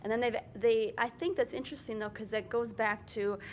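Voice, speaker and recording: Woman in her thirties, earnest and halting, slightly high voice. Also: fairly even intonation, slight background noise. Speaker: guest speaker. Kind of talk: casual discussion.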